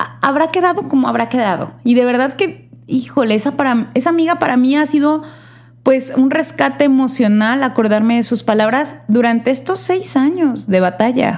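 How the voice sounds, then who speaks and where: A woman speaks in a Mexican accent at a moderate pace. Her high voice has lively intonation. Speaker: mother of a child with a rare disease. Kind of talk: interview.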